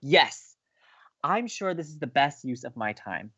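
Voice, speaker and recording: An earnest, dramatic young male campus radio host, played by a man in a romantic comedy audio drama. His delivery is very animated and emphatic, easily indignant. The sound is a little muffled. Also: a little high, a little slow, husky, full character voice.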